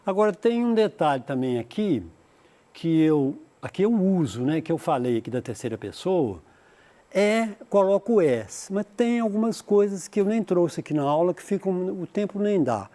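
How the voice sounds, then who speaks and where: Brazilian teacher with a mellow, higher voice. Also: male voice. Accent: Brazilian Portuguese. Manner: explains patiently, repeats English example sentences slowly. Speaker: English teacher. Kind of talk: recorded high school lesson.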